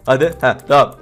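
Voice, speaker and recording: A young man hosting a gaming video, giving excited commentary with frequent laughter while calling out to his friends. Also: medium pitch, slightly rough.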